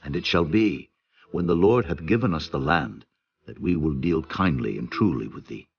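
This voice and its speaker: A man's voice: rumbling low, animated, normal speed, creaky, muffled recording, full character voice. A man playing a firm, solemn Israelite spy in a dramatized scripture audiobook. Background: music with guitar.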